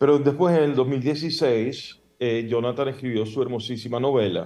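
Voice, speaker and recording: Speaking at a moderate pace, a man uses a dark, mellow tone at medium pitch with fairly even intonation. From Venezuela. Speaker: theatre director and playwright. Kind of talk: interview. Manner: halting.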